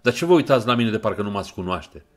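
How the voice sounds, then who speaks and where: A man's voice: on the low side, big pitch swings, voice pushed up. A man voicing a pale, nervous young man who stammers in an audiobook. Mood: snapping. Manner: stammering, voice cracking, then snapping.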